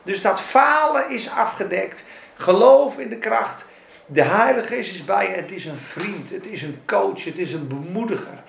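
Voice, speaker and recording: High, gravelly male preacher in echoey room. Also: a little slow, slight background noise. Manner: lively, colloquial preaching. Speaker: pastor. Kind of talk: sermon.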